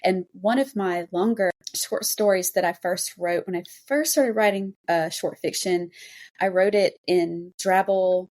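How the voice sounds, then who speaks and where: A woman's voice: lowish voice, measured pace, a little mellow. A woman hosting a casual interview podcast about writing, speaking in an encouraging, affirming way. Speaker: podcast host interviewing a writer.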